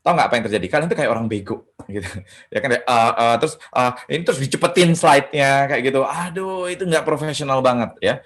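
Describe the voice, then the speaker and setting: A man's voice: medium pitch, fast talker, a bit bright. A man mentoring at an online hackathon, giving casual presentation advice. He keeps adding "ya kan" and "gitu" and slips English phrases into his sentences. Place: home setup for an online session. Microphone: video call.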